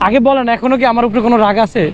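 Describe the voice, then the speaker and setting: A man's voice: extremely high pitch, very fast, dull audio, slight background noise. A young man from Bangladesh in a street vlog, coaxing and pleading, repeating himself. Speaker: vlogger. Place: outdoors on a city street.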